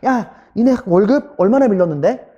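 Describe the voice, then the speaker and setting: A man's voice: high voice, expressive, normal speed, warm tone, lo-fi sound. A male teacher voicing a greedy Joseon official who answers his soldiers curtly and with irritation. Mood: irritated. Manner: irritated, curt. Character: greedy corrupt official, male, annoyed and dismissive.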